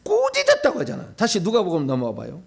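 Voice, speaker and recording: A middle-aged male pastor giving a sermon, preaching animatedly and acting out demons' pleas and shouted commands. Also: high-pitched, wildly swooping pitch, fast talker, gravelly, husky.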